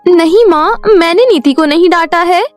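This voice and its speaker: A meek, studious cartoon teen with a very high, girlish voice as a woman plays her. Her talk is soft and pleading, with faint music behind. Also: animated, normal speed. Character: gentle, studious teenage girl, meek. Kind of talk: storybook cartoon voice acting.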